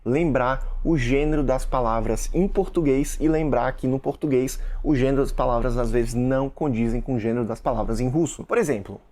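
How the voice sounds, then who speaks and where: A man's voice: mid-range voice, fairly quick, few pauses, darkish tone. Russian-born man chatting casually to camera. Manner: chatty, explains with examples and asides to viewers. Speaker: Russian teacher and content creator. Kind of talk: casual explanatory vlog.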